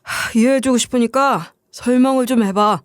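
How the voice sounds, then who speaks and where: A woman's voice: fairly high pitch, normal speed, no room sound, studio quality, lightly acted. A woman voicing an irritated husband who runs an appliance store, asking scolding questions. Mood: exasperated.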